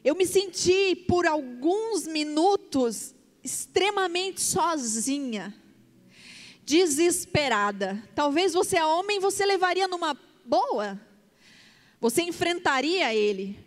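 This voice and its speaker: A woman's voice: very high voice, animated, slow pace. A woman pastor telling a story in a sermon, emotional and vivid, acting out the dialogue. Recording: long hall reverb.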